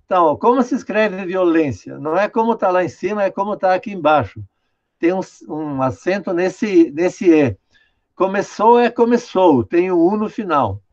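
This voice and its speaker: A man's voice: sits high, animated, moderate pace, a little mellow. Older man explaining, dull call audio. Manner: patient, explanatory, many "né?" tags, directs the screen operator. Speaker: linguistics professor. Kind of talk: online lecture, commenting on a student text. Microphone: video call.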